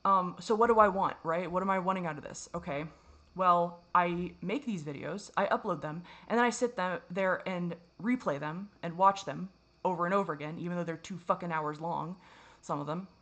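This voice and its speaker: A woman's voice: lowish voice, normal speed, a bit bright. A woman vlogger speaking to camera in a rambling, self-critical confessional monologue, swearing often and restarting her sentences.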